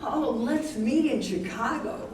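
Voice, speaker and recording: A woman in a staged play reading, playing an ambitious, principled young woman weighing marriage, with measured delivery. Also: high voice, animated, darkish tone. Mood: tender, hesitant. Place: live staged reading in a room. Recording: very echoey room, distant mic, noisy.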